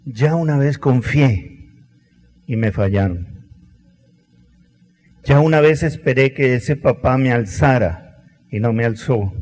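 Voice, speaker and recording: A middle-aged man preaching a sermon, telling stories with acted quotes and dramatic pauses. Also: medium pitch, a little mellow. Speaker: pastor. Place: large church hall. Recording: long church hall reverb.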